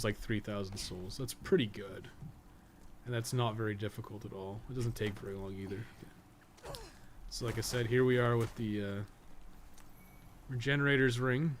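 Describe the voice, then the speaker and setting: Young guy chatting while he games, middle pitched voice, rambles and swears a bit, some noise behind him. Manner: rambling, mildly sweary, thinking aloud. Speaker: game streamer. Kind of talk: casual live gaming commentary and chat. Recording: noticeable background noise.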